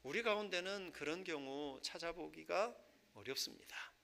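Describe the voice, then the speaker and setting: A male pastor preaching a Sunday sermon in church, rising to loud impassioned stretches and falling to soft, hushed passages. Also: fairly high pitch, moderate pace, creaky. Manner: swells to loud impassioned preaching, then drops to soft near-whispers. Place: church sanctuary.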